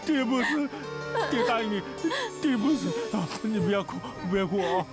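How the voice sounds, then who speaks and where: A man's voice: high voice, lively intonation, moderate pace. An actor playing a guilt-ridden, melodramatic father in a period martial-arts TV drama, theatrical and wailing. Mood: tearful pleading. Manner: wailing and theatrical, swinging between sobs and rambling stories. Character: guilt-ridden, melodramatic father who keeps trying to die. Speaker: the young woman's father. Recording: TV drama with music score.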